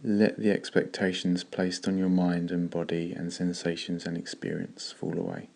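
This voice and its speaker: A man leading a guided meditation in a slow, calm, gentle way with long pauses. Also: low-pitched, vocal fry.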